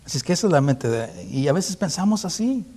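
A man's voice: on the high side, big pitch swings, brisk, dark tone. A man preaching in a conversational Bible-teaching style, asking rhetorical questions, constantly checking in with his listeners, and chuckling often. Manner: rhetorical questions with frequent tag questions.

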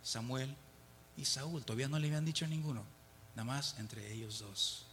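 In a reverberant hall with slight background noise, a man of medium pitch reads Bible verses aloud and explains them at a normal speed. His tone is fairly bright and his manner conversational, with frequent check-ins like "¿verdad?" and chuckles between points.

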